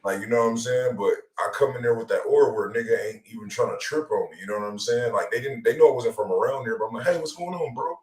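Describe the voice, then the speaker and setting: A man's voice: medium pitch, fast talker, few pauses, darkish tone. A man, hosting an online show in casual, slang-heavy chat. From Los Angeles area. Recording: roomy echo, far from mic.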